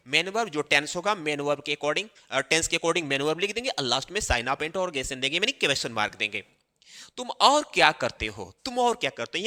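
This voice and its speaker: Indian-language grammar tutor guy, bright voice, loose repetitive explaining, reverby room. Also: fairly high pitch. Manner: explains slowly, repeating phrases with many fillers. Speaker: English grammar teacher. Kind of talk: Hindi-language grammar lesson while writing on a board.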